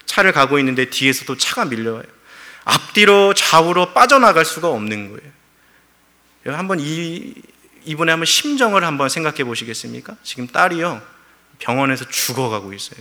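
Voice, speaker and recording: A man's voice: a little high, very animated, brisk, sharp tone. A middle-aged man preaching a sermon as pastor, telling a story with feeling and acting out quoted prayers.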